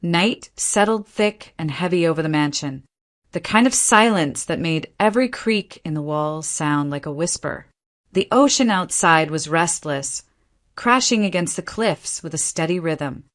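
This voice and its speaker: A woman reading a scripted dramatic story in measured narration. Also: deep voice, lively intonation.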